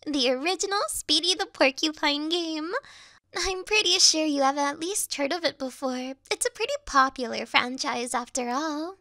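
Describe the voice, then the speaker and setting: A woman playing a sweet, clingy young yandere video game girl in a soft, coy, cutesy ASMR roleplay style. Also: high voice, normal speed, no echo, studio quality. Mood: coy, affectionate.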